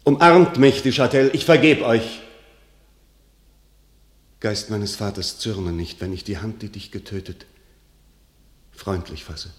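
Grave, low-voiced duke in an echoing room , played by an actor. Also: male voice, measured pace, long pauses, close to an everyday voice. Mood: moved, forgiving. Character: proud medieval duke, moved and softening. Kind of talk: classical German radio drama verse acting.

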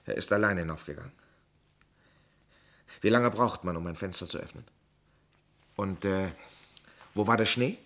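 A man playing an agitated, defensive lover under suspicion in a crime radio play, arguing urgently and haltingly. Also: low-pitched, fairly bright tone. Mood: tense, troubled.

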